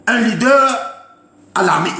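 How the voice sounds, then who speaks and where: A man's voice: sits high, lively intonation, unhurried, creaky, sharp tone, roomy sound. A man giving an impassioned political rant, emphatic and scolding, repeating his points to his listeners. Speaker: political commentator. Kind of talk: impassioned live-stream rant.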